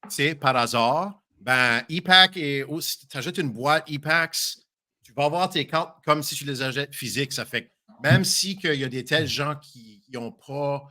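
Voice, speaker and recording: Man, podcast guest, bright tone, franglais, hesitant. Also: fairly high pitch, a little slow. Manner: mixes English into French, self-conscious, hesitant. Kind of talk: casual podcast chat.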